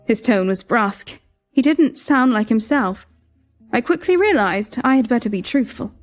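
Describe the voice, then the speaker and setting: A young woman narrating in first person as a queen, measured and reflective. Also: a little high, lively intonation. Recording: music bed behind.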